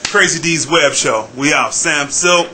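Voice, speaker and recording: Forceful american guy hosting a web show, casual chat, sharp bright voice, faint noise behind. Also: on the high side, unhurried. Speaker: web show host interviewing.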